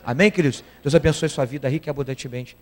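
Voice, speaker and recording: A man's voice: medium pitch, rapid-fire. A man preaching a sermon, emphatic and often calling out to the congregation for an amen. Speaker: guest preacher.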